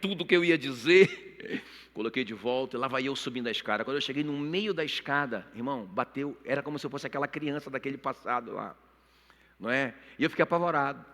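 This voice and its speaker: A man's voice: mid-range voice, animated, fast talker, fairly bright tone. A middle-aged man preaching a sermon and telling a personal story with strong emotion, often turning to speak straight to the congregation. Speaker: pastor. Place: church auditorium. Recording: long reverb of a church hall.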